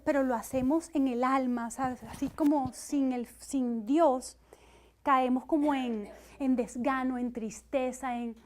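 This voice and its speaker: Woman preacher, high voice, earnest and conversational, slips into quoted voices. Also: a little mellow. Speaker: speaker at a church gathering. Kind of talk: sermon-style teaching talk.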